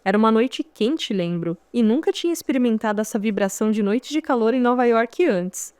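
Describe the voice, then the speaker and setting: A woman with a Brazilian Portuguese accent narrates a first-person memoir audiobook, her voice sitting a little high. She tells the story conversationally and drops in wry asides to the listener. It is close-miked in a studio with a dry, dead sound. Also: lively intonation, fairly quick, darkish tone, smooth, no room sound.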